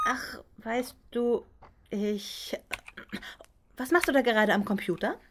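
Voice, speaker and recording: A woman's voice: a little high, slow, fairly bright tone, a little hiss or hum. A woman playing an earnest, principled young adult daughter in a naturalistic radio drama. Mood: wistful, hesitant. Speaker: voice actor in an audio drama.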